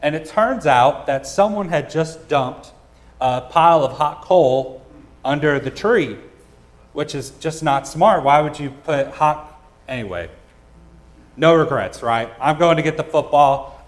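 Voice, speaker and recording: A man's voice: a little high, unhurried. A man preaching a sermon, telling a personal story in a casual, joking way with frequent "uh" fillers, at a church service. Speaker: pastor.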